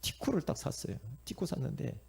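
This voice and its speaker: Middle-aged korean pastor preaching, gravelly and husky, swings his voice up and down a lot. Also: mid-range voice, brisk. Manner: animated storytelling, acting out inner voices and quotes; repetitive, calls out to the congregation. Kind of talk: sermon.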